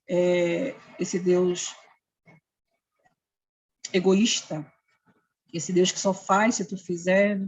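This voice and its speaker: A middle-aged woman with an Amapá Brazilian Portuguese accent recounts a personal story, slipping into the voices of the people she quotes. Her voice is husky and a little breathy, at a medium pitch. The recording sounds dull and lo-fi. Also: darkish tone. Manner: earnest storytelling, acting out quoted dialogue. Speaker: interviewee. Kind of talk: personal testimony.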